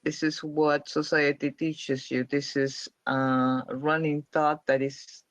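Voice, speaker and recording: A man's voice: on the high side, level tone, takes it slowly, a bit bright, no echo. A man leading a spiritual question-and-answer class, explaining emphatically and repeating his points. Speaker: spiritual teacher. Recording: dull lo-fi dry sound.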